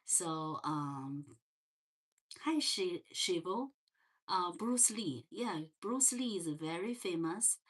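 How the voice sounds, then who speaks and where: Chinese-accented woman chatting slow on a livestream, lowish voice, lots of ums. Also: expressive, breathy edge. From China. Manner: slow and gentle, many fillers and restarts. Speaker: livestream host. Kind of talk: casual livestream chat. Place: parents' home.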